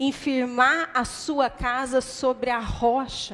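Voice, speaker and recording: A woman speaks in a high pitch. Her tone is animated. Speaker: preacher. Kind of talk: sermon.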